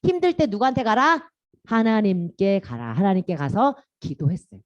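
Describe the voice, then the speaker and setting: A woman giving a children's sermon as a Sunday school teacher, animated and constantly quizzing the children. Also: mid-range voice, normal speed, no room sound, highs cut off.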